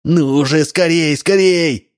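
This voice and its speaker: A man's voice: fairly high pitch, sing-song, moderate pace, pitched above the performer's own voice. A man reading aloud and voicing a timid, fearful middle-aged man who panics easily. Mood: panicked. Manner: fearful, fussing.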